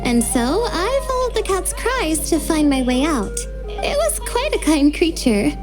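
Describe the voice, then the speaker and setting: A woman voicing a sleepy, hesitant young female scholar in a game, speaking slowly and stammering at times. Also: very high voice, sing-song, exaggerated voice. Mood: reflective. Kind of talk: game dub acting. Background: game music.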